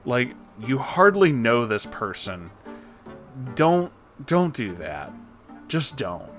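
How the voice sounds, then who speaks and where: A man hosting a story-reading channel, reading online posts aloud and adding animated, casual, joking asides. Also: medium pitch, slow pace, soft background music. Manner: animated, jokey, informal asides.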